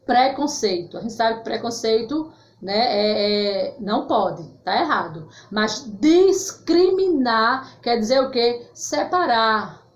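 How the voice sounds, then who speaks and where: A woman's voice: a little high, lively intonation. A woman teacher giving a grammar lesson to children in Brazilian Portuguese, spelling out words carefully and checking in with "tá certo?", calling her pupils "my loves.". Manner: slow, clearly spelled-out words with frequent "tá certo?" check-ins; affectionate, calls pupils "meus amores". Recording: echoey room, slightly dull sound.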